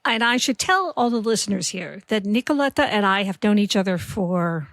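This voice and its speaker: A woman's voice: mid-range voice, lively intonation, moderate pace, a bit bright, no echo. A woman hosting a podcast interview, chatty and enthusiastic. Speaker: podcast host.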